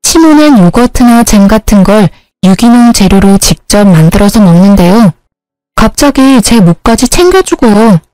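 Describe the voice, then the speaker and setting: A woman narrating a family story in a calm, confiding way. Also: mid-range voice, moderate pace, no room sound, soft background music, poor audio.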